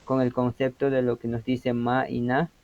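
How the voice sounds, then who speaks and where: A man's voice: medium pitch, monotone, moderate pace, a little mellow, dull audio, a little hiss or hum. A man teaching an interactive language lesson, patiently explaining and often checking that students follow.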